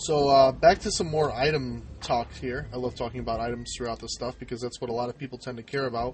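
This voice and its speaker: A man at medium pitch, somewhat breathy, very fast with hardly any pauses and fairly even intonation. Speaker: esports match caster. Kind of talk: live game commentary.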